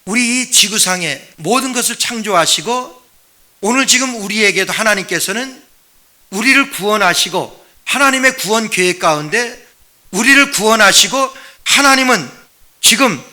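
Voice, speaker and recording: A man's voice: high voice, animated, moderate pace. A male pastor preaching a sermon, emphatic and questioning, often addressing the congregation directly and answering his own questions. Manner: drops to a quiet, rambling aside when telling a personal story.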